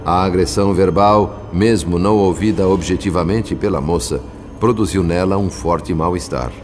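Male actor as compassionate spirit narrator: very low, solemn scripted storytelling over faint music. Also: moderate pace, natural voice. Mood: grave. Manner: solemn, literary. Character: grave, compassionate male spirit narrator recounting his work.

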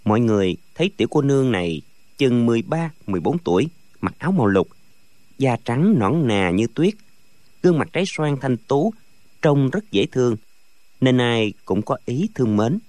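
A man narrating a martial arts novel as an audiobook, with expressive storytelling. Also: medium pitch, moderate pace, dry recording.

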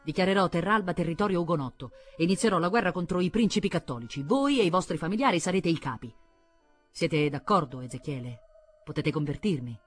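Woman reading as a cold, husky half-nobleman. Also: on the low side, expressive, quick pace, faint music behind. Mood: imperious. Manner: commanding and bitter. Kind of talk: audiobook reading.

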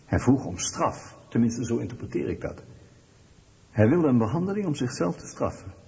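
Echoey, distant earnest doctor. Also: male voice, mid-range voice, very animated, normal speed, vocal fry, dark tone. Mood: grave, reluctant. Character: earnest male doctor speaking gravely about a patient. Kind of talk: Dutch radio documentary drama acting. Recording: echoey hall, distant muffled sound.

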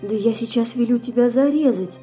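A woman's voice: a little high, brisk, faint music behind, close to an everyday voice. A woman playing a proud, passionate young actress, theatrical and capricious, in a classic verse radio drama. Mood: angry, defiant. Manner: theatrical, expressive.

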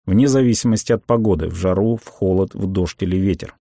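A man narrates a memoir in a calm, measured, reflective way. His voice sits on the low side with a dark, mellow tone. The recording is dry and close, with almost no room sound. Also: creaky, dry recording. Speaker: audiobook narrator.

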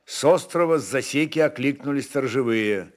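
A man narrating historical fiction in a measured, expressive, deliberate way. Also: mid-range voice. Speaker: narrator reading a literary work. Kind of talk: dramatic literary narration of a historical novel.

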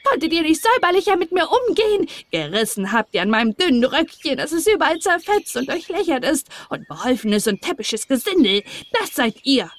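A woman's voice: high voice, sing-song, brisk, few pauses, pitched above the performer's own voice. A woman reading a fairy tale aloud and voicing a quarrelsome, ungrateful old male dwarf with a screeching, scolding voice. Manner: scolding, snarling.

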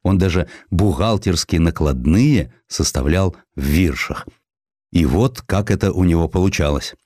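Male audiobook narrator, low-pitched and animated, for literary history; expressive storytelling, close dry studio sound. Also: a little slow, no room sound.

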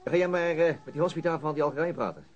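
A man's voice: fairly high pitch, racing, dull audio, slight background noise, close to an everyday voice. An actor playing a weary, irritable male police chief in a radio drama, with a brusque manner. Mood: irritated.

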